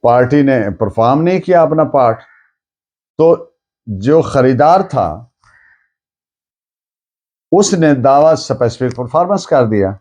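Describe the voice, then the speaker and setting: A man with a Pakistani accent lecturing on law in a didactic, deliberate way, restating points in plain words and mixing in English terms. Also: medium pitch, lively intonation, darkish tone, highs cut off.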